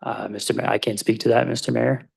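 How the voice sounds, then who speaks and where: Gravelly, husky man answering council. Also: medium pitch, level tone, quick pace, darkish tone. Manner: formal, addresses the chair, hesitant fillers. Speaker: planning consultant for the applicant. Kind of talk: answering questions at a council meeting.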